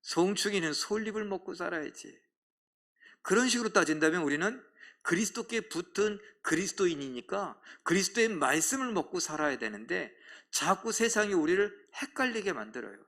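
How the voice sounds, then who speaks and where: Brief: male pastor, lively sermon delivery, slightly higher voice, bright and forceful tone. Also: a little fast. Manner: lively preaching, acts out voices of the world and Jesus in quotes. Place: church sanctuary.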